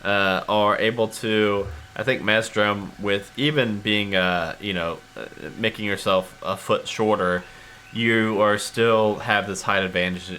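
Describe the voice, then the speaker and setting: A man narrates a casual tabletop game as game master. His lowish voice is forward and bright, with halting, unhurried delivery over a faint noise bed. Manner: halting, thinking aloud.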